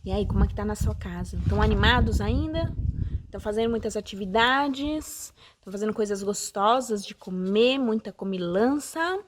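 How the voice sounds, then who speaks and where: A woman's voice: medium pitch, animated, moderate pace, background noise. Woman, Sunday school teacher, sweet and coaxing, asks children questions, recorded at home. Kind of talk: children's Bible lesson, talking to the camera.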